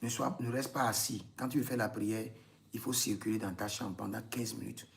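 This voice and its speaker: A man's voice: fairly low pitch, steady tone, normal speed, creaky, a little hiss or hum. A man, a prophet leading a live prayer session, repeating intense commands and breaking into tongues.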